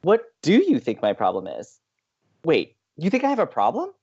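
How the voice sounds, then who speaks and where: A man's voice: on the high side, wildly swooping pitch, moderate pace, darkish tone, husky, muffled recording, exaggerated voice. A man playing an upbeat, playful young college radio co-host with an American accent, teasing and eager, in audio drama banter. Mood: earnest. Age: young adult.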